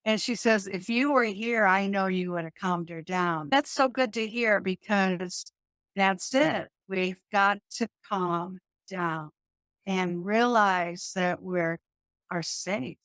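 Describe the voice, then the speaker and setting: A middle-aged woman, a yoga teacher and hypnotist, talking animatedly in an interview, often laughing and restarting her sentences, with a calming voice. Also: medium pitch, slow pace, dry recording. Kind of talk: conversational interview.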